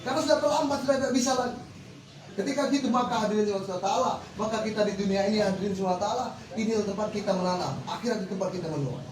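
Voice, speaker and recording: A man's voice: sits high, rapid-fire, crowd noise. A man preaching a Muslim sermon, exhorting listeners with rhetorical questions. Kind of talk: religious sermon to an audience. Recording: echoey, distant mic with faint noise.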